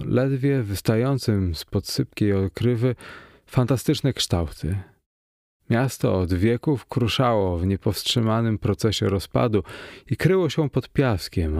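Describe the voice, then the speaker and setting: A male narrator reads an adventure story at a steady, measured pace. His low voice carries a gravelly rasp. The recording is close and dry. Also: no room sound. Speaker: audiobook narrator. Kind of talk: scripted narration.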